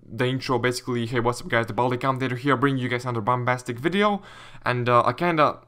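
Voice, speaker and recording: A man's voice: medium pitch, quick pace, sharp tone. Young Latvian-accented man, casual gaming commentator. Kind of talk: casual Q&A commentary reading viewer questions.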